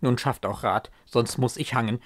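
A bold young mercenary from a recited ballad, hearty and boisterous, as a man plays him. His speech swings widely in pitch and is delivered at a measured pace. The sound is dry and close. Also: very animated, no room sound, exaggerated voice. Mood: dismayed. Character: bold hungry young male mercenary soldier.

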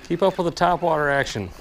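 A man's voice: fairly high pitch, a little hiss or hum. Upbeat man vlogging from a fishing boat. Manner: upbeat, joking, with frequent fillers. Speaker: fishing channel host. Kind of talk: casual vlog talk to camera. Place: outdoors on a boat on a lake.

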